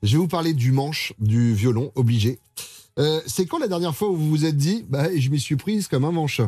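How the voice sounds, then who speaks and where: A man from southwest France hosting a playful radio talk show, teasing his guests with quick jokey asides. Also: fairly high pitch, warm tone, breathy edge, no room sound. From southwest France, near La Rochelle. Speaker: radio host. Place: radio studio.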